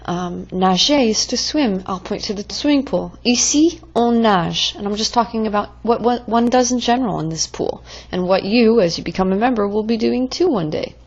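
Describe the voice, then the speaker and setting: A woman's voice: medium pitch, normal speed, few pauses, slightly rough, dull audio. A woman teaching French verb conjugations in a patient, drilling way, as in a recorded lesson.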